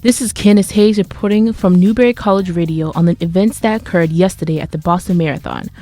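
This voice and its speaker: A woman's voice: fairly low pitch, fast, warm tone, faint music behind. A woman reading scripted news and announcements as a college radio reporter.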